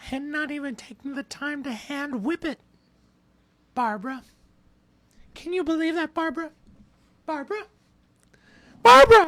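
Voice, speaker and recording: A put-on character voice, high-pitched, with long, frequent pauses. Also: moderate pace. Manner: catty, sweetly gossipy.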